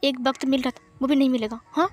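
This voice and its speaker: A woman voicing a stern, irritable aunt who scolds and nags with sharp questions, in a storybook reading. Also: high voice, steady tone, fast talker, soft background music. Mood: scolding.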